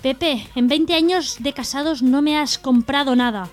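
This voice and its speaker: A woman co-hosting a radio humor show, reading jokes aloud in a brisk, even way. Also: high voice, over music.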